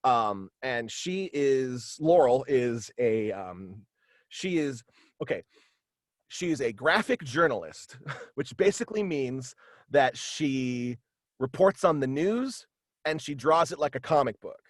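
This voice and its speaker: Halting man with a dry, close sound. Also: mid-range voice, expressive, dry recording. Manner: halting, meandering explanations. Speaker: guest, voice actor and writer. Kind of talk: casual interview, explaining his own story. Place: small indoor home setup, video call.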